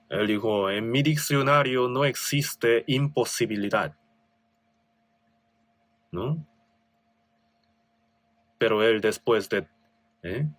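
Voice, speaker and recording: A man's voice: mid-range voice, a bit bright, dry recording. A male pastor with a Korean accent preaching a sermon, reading scripture with rising emphasis and asking rhetorical questions.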